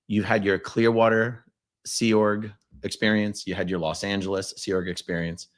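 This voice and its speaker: A man in his forties hosting a casual interview, relaxed and conversational with wry asides, at a desk mic in a wood-paneled studio. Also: fairly low pitch, normal speed. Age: 40s. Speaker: host.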